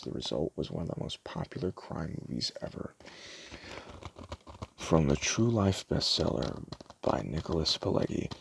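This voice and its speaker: A man doing a casual, rambling ASMR roleplay, talking hesitantly and stumbling as he reads things out, in a very deep, gravelly voice. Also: a little hiss or hum. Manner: casual, hesitant, stumbles over words and self-corrects. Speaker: ASMR roleplay performer playing a DVD store clerk.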